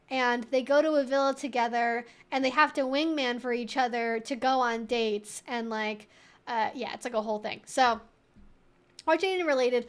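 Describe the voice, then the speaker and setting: A woman livestream host chatting casually, in a rambling, informal way peppered with "like". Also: high-pitched. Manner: rambling, informal, frequent "like" and swearing.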